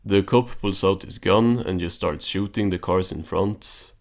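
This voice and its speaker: Casting: man with a low voice, offhand and understated, casual cartoon recap narration. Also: unhurried, vocal fry, loud music behind the voice.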